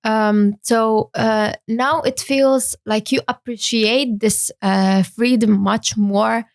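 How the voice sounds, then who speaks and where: Young woman from Syria, interview guest, halting delivery, dry sound. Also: on the high side, fairly even intonation, no room sound. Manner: hesitant, many fillers and restarts. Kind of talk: interview talk.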